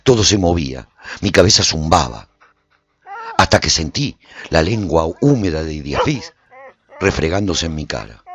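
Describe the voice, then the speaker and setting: Battle-worn adventurer, low husky voice, highly expressive, theatrical radio drama storytelling. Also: male voice, moderate pace, long pauses. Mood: intense, urgent. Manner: intense, theatrical. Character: weary male sword-wielding warrior narrating a post-apocalyptic adventure. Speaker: narrator and protagonist. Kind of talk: dramatic first-person radio drama narration.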